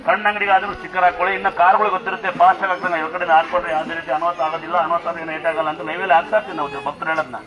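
A man with a Kannada accent, a temple priest instructing and blessing devotees at a fast, forceful pace. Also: fairly high pitch, flat delivery, muffled recording. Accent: Kannada, Karnataka. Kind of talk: loud public address to devotees. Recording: loud crowd behind.

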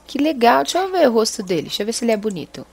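A woman hosting a gaming video, chatty and excitable as she exclaims to her viewers. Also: a little high, racing, creaky. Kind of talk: casual let's-play commentary.

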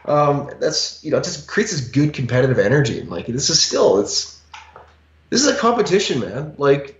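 A man's voice: fairly high pitch, sing-song, normal speed. A man in his forties co-hosting a fitness podcast, talking emphatically with lots of "you know" fillers, over a headset on a video call. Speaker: podcast co-host. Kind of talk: casual podcast chat. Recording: echoey, slightly dull call audio.

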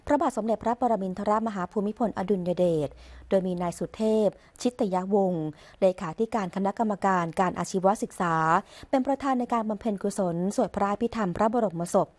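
This clip features a woman reading royal court news as a formal voice-over for broadcast, using a mid-range voice. The news reader's steady, scripted cadence evokes an official bulletin, and her delivery never loses its measured, even, ceremonious character.

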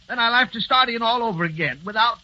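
An earnest, stammering businessman husband in an old 1930s radio play. His voice is high and very bright and swings widely in pitch, and the old broadcast sounds muffled and lo-fi. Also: animated, quick pace, heavily acted. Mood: stern. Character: fretful businessman husband, fond but exasperated. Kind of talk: 1930s radio drama acting.

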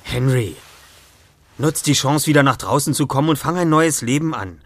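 Hearty male pal for horror audio drama, played by an actor: chummy, urging, very animated intonation. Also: medium pitch, moderate pace, noisy background, natural voice. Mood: encouraging, warm. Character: hearty, encouraging friend and fellow asylum patient.

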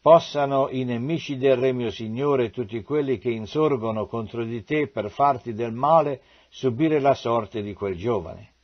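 A courier addressing his king, as a man reads him, formal and deferential. He speaks at a middle pitch. The recording sounds dull and lo-fi. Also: a little slow, hardly any pauses, close to an everyday voice. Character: male foreign courier bringing news to a king.

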